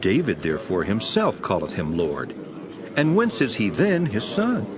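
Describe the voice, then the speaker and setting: A man playing Jesus as a solemn, authoritative teacher with measured delivery in a dramatized scripture reading. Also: fairly low pitch, huge pitch swings, crowd noise. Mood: solemn, teaching. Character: Jesus, calm authoritative male teacher rebuking and instructing. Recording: voice over prominent background music.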